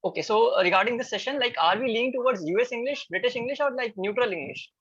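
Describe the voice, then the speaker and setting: A man's voice: extremely high pitch, quick pace, a bit bright, husky, muffled recording. A man joining an online session as a participant, asking questions hesitantly. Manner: hesitant, uses "like" often. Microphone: video call.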